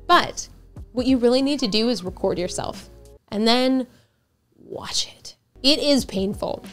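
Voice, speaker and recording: A woman teaches viewers how to come across on video, talking casually and gushing in her asides. Her voice sits a little high and carries a natural vocal fry. Soft music plays faintly under her. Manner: chatty and enthusiastic, gushing asides. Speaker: video presence coach.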